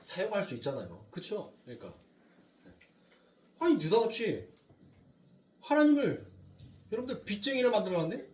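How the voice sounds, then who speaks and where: A male pastor with a Jeolla accent preaching a sermon, swinging from loud emphasis to near whispers and slowing down on key points. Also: high voice, very animated, roomy sound, recorded from a distance. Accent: Jeolla Korean. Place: church sanctuary.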